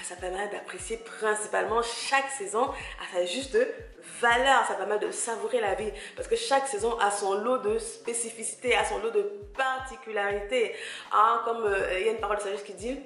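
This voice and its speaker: On a casual solo podcast, a woman who grew up in Cameroon and lives in France encourages her listener directly with advice, conversational and sometimes groping for the right word. The mid-range voice has a slightly bright quality and a reverberant sound.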